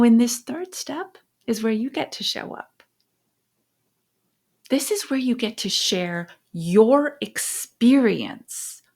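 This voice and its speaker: A middle-aged American woman sharing personal stories and parenting advice as a podcast host, phrasing things emphatically with deliberate pauses. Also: medium pitch. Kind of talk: conversational advice and personal storytelling.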